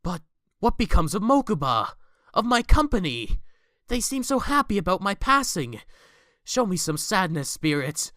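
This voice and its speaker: A proud young executive in an audio drama, acted by a man. His voice is fairly high and lively, formal and uneasy. The recording is close and dry. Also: normal speed, dry recording, full character voice. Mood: anxious, demanding. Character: proud young male CEO, apprehensive and formal. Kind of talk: fan audio drama acting.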